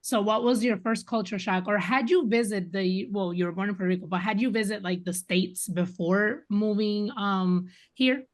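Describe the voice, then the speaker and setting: Woman hosting a podcast, easygoing, keeps asking follow-ups, mid pitch. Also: normal speed, few pauses. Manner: friendly, affirming, rephrases questions. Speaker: podcast host. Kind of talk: casual interview.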